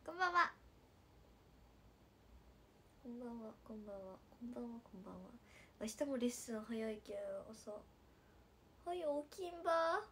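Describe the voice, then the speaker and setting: A woman's voice: fairly high pitch, expressive, quick pace, slight background noise. Sleepy young woman with a Nagasaki accent. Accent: Nagasaki dialect. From Nagasaki, Japan. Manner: drowsy, drifting into soft whispers, then bright squeals for viewers. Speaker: idol livestreamer. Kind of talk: casual livestream chat reading comments.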